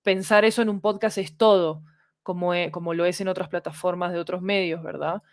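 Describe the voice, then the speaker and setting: A woman's voice: fairly low pitch, fairly even intonation, fairly quick, no echo. Woman explaining conversationally, dry sound. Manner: discursive, checks with rhetorical tag questions. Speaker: podcast guest, fiction audio producer.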